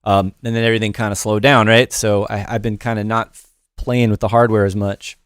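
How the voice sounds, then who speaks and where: This middle-aged man's voice sits on the low side, level, clear, and resonant, moving fairly quickly with no echo. He's hosting an off-the-cuff livestream production lesson from his New York home studio, chatting with viewers and stumbling through fillers and restarts.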